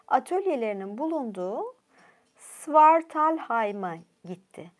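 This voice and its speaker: A woman storyteller reading a myth aloud, expressive, with a few casual asides. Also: fairly high pitch. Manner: expressive, occasional aside comments.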